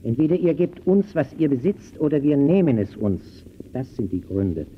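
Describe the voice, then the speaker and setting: An actor playing an earnest, indignant debater who declaims rhetorically in an old radio play. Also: male voice, medium pitch, very animated, moderate pace, natural voice. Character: earnest, indignant male debater lecturing on injustice. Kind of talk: 1920s German radio play dialogue. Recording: dull old radio recording, faint noise.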